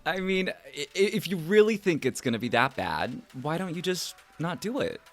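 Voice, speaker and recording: Low-voiced, swooping, easygoing female friend. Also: big pitch swings, moderate pace, soft background music, exaggerated voice. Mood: reassuring. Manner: casual, reassuring. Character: supportive, teasing, easygoing adult friend. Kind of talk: naturalistic audio drama acting.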